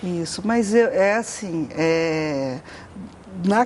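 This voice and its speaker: There is noticeable background noise. A woman with a fairly low pitch talks with ordinary pitch variation. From Brazil, Japanese immigrant family. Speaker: professor. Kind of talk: interview. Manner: halting.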